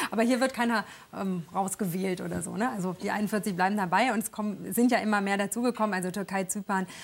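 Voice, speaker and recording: In a very clean recording with a silent background, a woman with an ordinary speaking voice talks fairly quickly in a fairly high pitch and fairly even intonation. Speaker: moderator. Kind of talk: panel discussion. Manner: formal.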